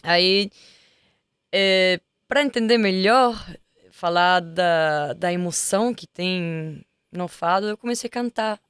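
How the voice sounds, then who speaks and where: A woman's voice: lowish voice, slow pace, a bit bright, smooth, no room sound. A woman, a singer being interviewed in a music studio, chatting casually and often restarting while she searches for words. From Italy. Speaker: guest singer.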